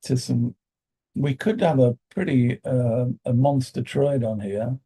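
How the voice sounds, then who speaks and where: A British man with a croaky voice, hosting a live day trading session and thinking aloud with halting fillers. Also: mid-range voice, warm tone.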